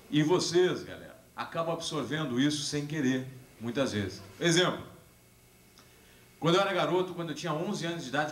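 Man, 30s, lively storytelling talk, handheld mic, slightly high voice, big echoey hall. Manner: animated storyteller, acts out dialogue, gestures. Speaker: public speaker on alcohol and drugs. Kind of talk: lively public talk to a young audience. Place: large hall with a seated audience. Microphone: handheld microphone. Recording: echoey hall, camcorder recording.

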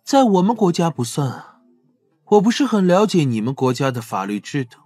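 A man's voice: fairly high pitch, big pitch swings, moderate pace, darkish tone, slightly rough, soft background music, voice pushed up. A man voicing a smug, flirtatious male crime suspect in an audiobook, teasing and nonchalant.

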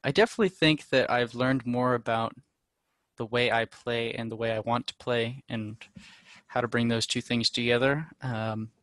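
A man's voice: mid-range voice, normal speed, no room sound. Young New Zealand man, dry close sound. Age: 20s. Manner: relaxed, hesitant with many ums. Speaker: student musician. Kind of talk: casual self-introduction to camera. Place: small home music room, indoors.

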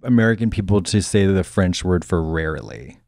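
Animated man in his thirties on a handheld mic, his pitch swinging around as he chats and slips into mimicked voices. the room sounds tight and dry, with nothing behind him. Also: a little fast, vocal fry, no echo. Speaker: podcast co-host. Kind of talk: casual chat. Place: small decorated studio indoors.

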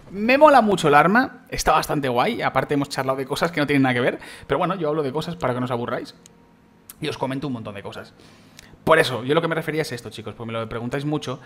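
Fast-talking gamer man. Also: medium pitch, fairly bright tone, a little hiss or hum. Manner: rambling, repeats himself, addresses viewers as chicos. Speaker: gaming YouTuber. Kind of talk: casual gameplay commentary.

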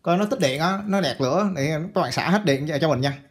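A chatty man walks viewers through a circuit board repair at his workbench. His voice sits a little high for a man, and he keeps repeating phrases and calling out to the audience as he works. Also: lively intonation, brisk, slight background noise. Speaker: electronics repair instructor. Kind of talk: casual hands-on repair tutorial.

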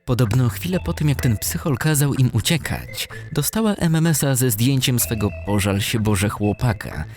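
A man's voice: medium pitch, animated, moderate pace, darkish tone, lightly acted. A man voicing a crude, exasperated male school teacher gossiping indignantly in a narrated horror story. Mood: gossipy. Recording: music behind the voice.

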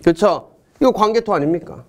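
A man's voice: high voice, normal speed, a little hiss or hum. A middle-aged man teaching a history exam-answer lecture, joking and chatting with his students between questions. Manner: jokey, excitable, chatty asides to students.

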